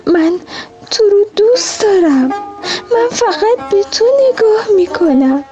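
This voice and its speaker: A woman voicing a small, lonely, childlike piece of ice that longs for a friend, in a high pleading storybook voice. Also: animated. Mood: tearful, longing. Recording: dull lo-fi radio sound with soft music.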